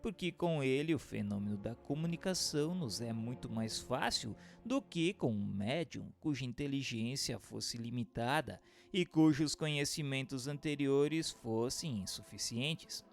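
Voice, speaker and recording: A Brazilian man reading a book aloud as a narrator, in a formal, declamatory and deliberate scripted delivery. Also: mid-range voice, expressive, vocal fry. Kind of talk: scripted audiobook-like narration of a spiritist treatise.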